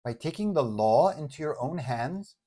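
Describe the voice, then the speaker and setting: A man's voice: a little high, animated, normal speed, mellow. Man doing a probing, skeptical magazine reporter. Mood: challenging. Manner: pointed questioning.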